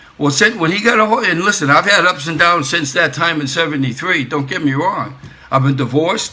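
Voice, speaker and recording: Noticeable background noise sits behind a man whose voice makes very wide pitch swings. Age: 70s. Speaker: war veteran sharing religious testimony. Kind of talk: testimony. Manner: halting, many repetitions and fillers.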